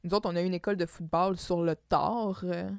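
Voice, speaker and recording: A woman with a Quebec French accent, co-hosting a casual podcast, chiming in with jokes and quick agreement. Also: on the low side, fairly even intonation, vocal fry, darkish tone, clean tone, no room sound, studio quality. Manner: quick to agree and joke, laughs often. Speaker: podcast co-host. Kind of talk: casual episode recap chat.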